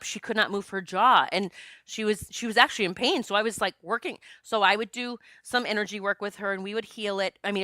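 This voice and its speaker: Chatty woman with a bright, forceful voice. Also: medium pitch, no room sound. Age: 40s. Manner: chatty and expressive, jokes with listeners. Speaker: podcast host and psychic medium. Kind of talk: solo podcast monologue.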